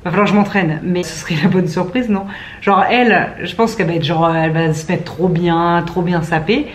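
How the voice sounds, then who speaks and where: A woman's voice: fairly low pitch, steady tone, a little fast, slight background noise. A young woman in her twenties chatting casually and playfully to camera at home, teasing and mocking herself as she talks. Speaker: vlogger. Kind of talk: casual vlog chat to camera. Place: at home indoors.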